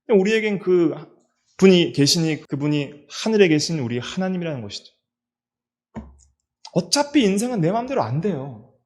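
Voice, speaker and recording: Middle-aged pastor w/ daegu accent preaching in church, higher voice that swings up and down a lot, keeps asking the room questions. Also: male voice, very animated, moderate pace, long pauses, a little mellow. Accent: Korean, Daegu region. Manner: preaching with rhetorical questions and repetition. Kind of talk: sermon. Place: church sanctuary.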